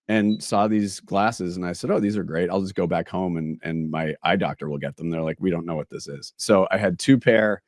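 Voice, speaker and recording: Hoarse, chatty male host, dry sound. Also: low-pitched, a little fast, few pauses, no echo. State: raspy, slightly hoarse. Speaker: podcast host. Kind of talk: casual interview chat.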